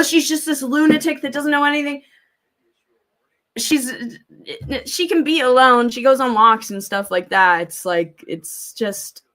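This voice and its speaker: This woman's voice sits on the high side with a sharp tone as she hosts a relaxed livestream. She rambles and thinks out loud in a blunt, informal way, swearing freely, commenting, and reading viewer comments aloud.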